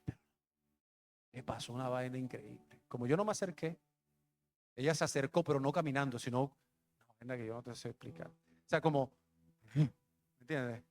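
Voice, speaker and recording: A man's voice: mid-range voice, moderate pace, long pauses, a little mellow. A young adult man, a pastor, telling a personal testimony in a conversational, emotional sermon. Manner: conversational, emotional storytelling with street slang.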